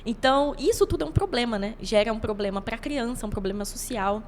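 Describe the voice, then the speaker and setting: A woman in her twenties from Rio de Janeiro with a Rio accent, a guest telling her story in an animated way. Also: on the high side, quick pace, in a large hall, a little hiss or hum. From Rio de Janeiro, Brazil. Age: 20s. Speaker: guest, child nutritionist. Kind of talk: conversational interview answers.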